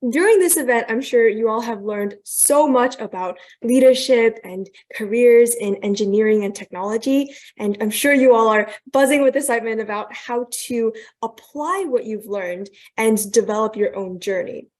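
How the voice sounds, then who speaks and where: Young female student speaker, high-ish voice, earnest and polished, video-call mic. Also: moderate pace, hardly any pauses, a little mellow. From Thailand, raised in New York. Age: young adult. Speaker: guest speaker. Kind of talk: prepared presentation on a video call.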